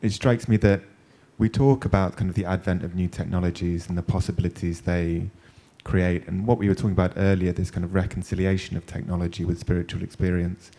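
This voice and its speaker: A low-voiced man hosts a panel talk. His tone is dark and mellow, and he tells thoughtful stories in loose, rambling phrases. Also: steady tone, fairly quick, few pauses. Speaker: panel moderator. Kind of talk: panel discussion. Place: panel event.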